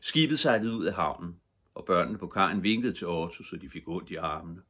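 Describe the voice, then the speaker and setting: An older man reading a children's bedtime story aloud, calm and gentle. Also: deep voice, breathy edge.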